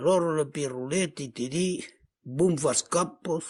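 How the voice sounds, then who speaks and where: A man's fairly high voice at a very slow pace with ordinary pitch variation, over a quiet background. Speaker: storyteller. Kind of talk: comic anecdote told in regional French. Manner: casual, colloquial.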